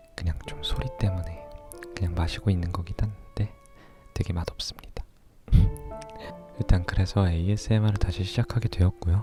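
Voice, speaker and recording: Music plays behind a man with a very deep, low voice and fairly even intonation. He leaves long, frequent pauses. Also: moderate pace. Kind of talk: casual ASMR talk to camera. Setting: studio.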